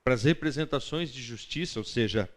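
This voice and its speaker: A man's voice: medium pitch, animated, moderate pace. Brazilian man teaching a class. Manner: didactic, asks the class questions. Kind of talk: conversational lecture to a class.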